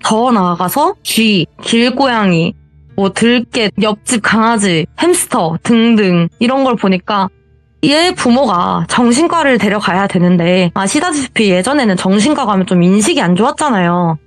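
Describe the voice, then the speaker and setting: A woman's voice: medium pitch, animated, normal speed, no echo, faint music behind. A woman telling a true horror story in a conversational, wry way.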